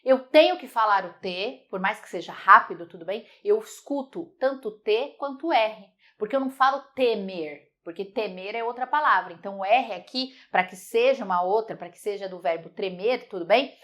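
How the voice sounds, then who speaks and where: A woman teaching a Portuguese grammar lesson, lively and emphatic, repeating words slowly to model their sounds. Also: mid-range voice.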